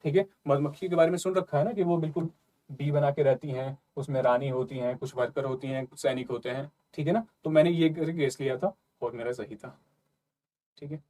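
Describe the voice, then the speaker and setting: A man's voice: a little high, fairly even intonation, a little fast, dark tone. A man explaining exam questions in a casual, conversational lesson, often checking in with his listeners. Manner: conversational, repeats "ठीक है" and "ना" often. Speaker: exam prep tutor.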